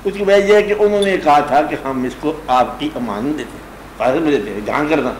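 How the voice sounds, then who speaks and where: In an echoey room with faint ambience, a spiritual teacher with a slightly high voice speaks to a gathering, with a little hiss or hum in the recording. His religious talk is conversational: he retells a story and keeps asking whether listeners have understood.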